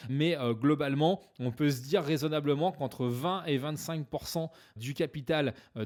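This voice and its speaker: A French-speaking finance YouTuber walks viewers through stock investing in a conversational style, hesitating often with many "euh" fillers and joking about his own English accent. His voice is a little high and a little mellow.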